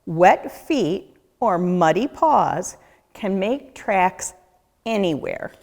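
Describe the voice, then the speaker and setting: A woman reading a children's picture book aloud as a nature educator, with a deliberate, questioning storyteller delivery. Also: mid-range voice, animated, darkish tone. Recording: echoey room with long reverb.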